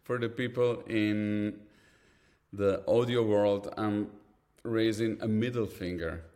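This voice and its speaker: A man from Italy speaks as a guest in a casual interview, candid and ready to mock himself. His voice sits on the low side, and he drops casual swear words. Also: fairly even intonation, slow, warm tone. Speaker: guest, designer.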